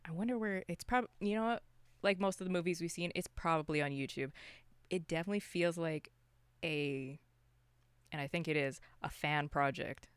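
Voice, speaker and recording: Podcast co-host, smooth clear voice, close dry sound, mid-range pitch, loose rambling film chat. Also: moderate pace, no room sound. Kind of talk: casual unscripted film discussion.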